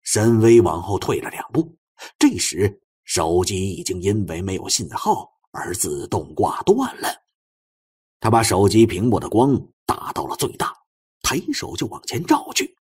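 A man narrating a suspense audiobook in a theatrical way, moving between hushed and forceful delivery. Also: lowish voice, big pitch swings, unhurried, breathy edge.

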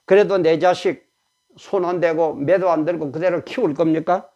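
A man's voice: a little high, fairly even intonation, normal speed, a little mellow, lo-fi sound. A male pastor, preaching an emphatic, exhorting sermon.

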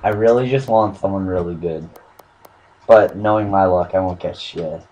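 A young man with a cold and a hoarse voice, hosting casual gaming commentary while opening card packs, swearing and swinging from mumbling to excited shouts. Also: deep voice, normal speed, muffled recording. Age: young adult. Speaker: gaming channel host.

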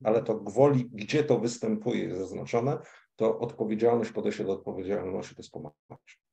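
A man on a video call, organizing the meetup and explaining ideas in a measured way. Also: on the low side, creaky, dark tone.

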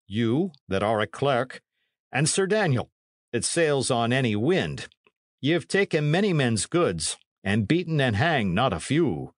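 A man's voice: mid-range voice, very animated, unhurried, no room sound, clean studio sound, voice pushed up. A man voicing a blunt, cheerfully grasping medieval soldier in an audiobook, with plain-spoken archaic speech.

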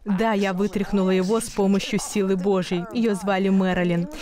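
A woman's voice: mid-range voice, little pitch movement, normal speed, a crowd in the background. A middle-aged woman dubbing a guest minister on a Christian talk show, telling stories in an earnest voice-over.

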